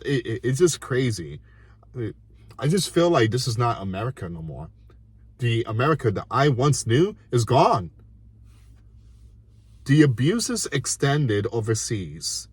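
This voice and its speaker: A man's voice: mid-range voice, husky, no room sound. A man from Puerto Rico reading a news article aloud and adding indignant comments, with frequent asides and restarts.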